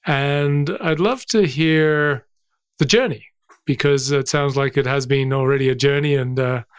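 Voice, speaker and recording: Male podcast host, mid-pitched, dry close mic; relaxed, halting questions. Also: clear, resonant tone, no echo. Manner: easygoing, hesitant with ums. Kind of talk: conversational interview.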